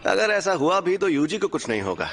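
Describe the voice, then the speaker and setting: A man's voice: sits high, sing-song, brisk, loud music behind the voice. A man playing a cocky sing-song sorcerer teacher. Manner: teasing, sing-song, showy. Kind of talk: anime fan dub.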